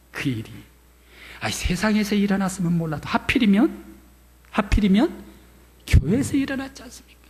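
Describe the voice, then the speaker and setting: A male pastor preaching a sermon, telling a story dramatically and moving between loud bursts and hushed whispers. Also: sits high. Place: church sanctuary. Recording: reverberant church hall.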